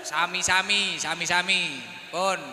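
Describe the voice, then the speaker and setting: Chatty preacher in echoey hall. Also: male voice, sits high, fairly even intonation, bright, forceful tone. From East Java, Indonesia. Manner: chatty, teasing, fires quick questions. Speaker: preacher hosting a gathering. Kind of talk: casual chat with audience members. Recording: roomy hall reverb with faint noise.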